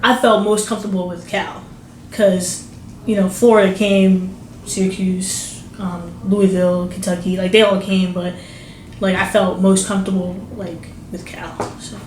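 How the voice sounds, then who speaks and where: A woman's voice: medium pitch, level tone, a little slow, a little mellow, reverberant, a little hiss or hum, low-quality recording. A young woman from New Jersey, a basketball recruit, answering interview questions in a loose, rambling way full of fillers and restarts. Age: young adult. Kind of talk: casual interview.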